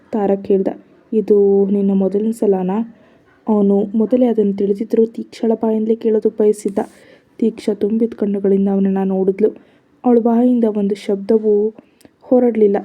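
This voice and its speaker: A woman narrating an audio story in a measured way, with a husky voice and a flat, even delivery. The recording sounds slightly dull and lo-fi. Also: medium pitch.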